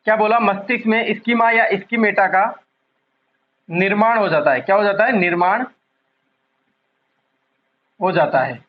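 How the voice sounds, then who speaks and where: A man's voice: high-pitched, highs cut off, a little hiss or hum. A male psychology teacher giving an online exam-prep lecture, repeating key terms and quizzing the class often, drawing out the important words. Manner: drawn-out emphasis on key words.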